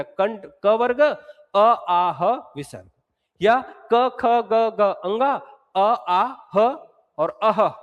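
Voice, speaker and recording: A male teacher giving an exam-prep lecture, explaining step by step and repeating sounds aloud to drill them. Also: sits high. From Chhattisgarh, India. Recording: long hall reverb.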